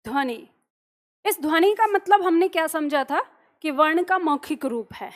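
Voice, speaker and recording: A woman's voice: high voice, animated, measured pace. A woman teaching a Hindi grammar class, explaining patiently with everyday examples and asking questions that she then answers herself.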